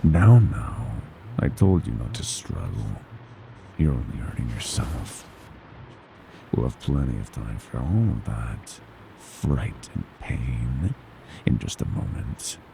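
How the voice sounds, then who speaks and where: A man's voice: sing-song, slow, background noise, exaggerated voice. A man voicing a gleeful, predatory monster from under the bed in a horror ASMR roleplay, menacing and mockingly tender, savoring his words and slipping into whispers. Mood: taunting. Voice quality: very deep, gravelly creaking growl.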